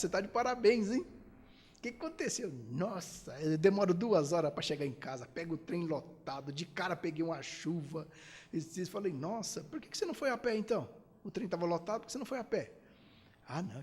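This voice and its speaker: Man, spiritist lecture, from Brazil, husky, high voice, rhetorical questions. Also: lively intonation, quick pace, darkish tone, long reverb tail. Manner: rhetorical questions, acting out quoted dialogue.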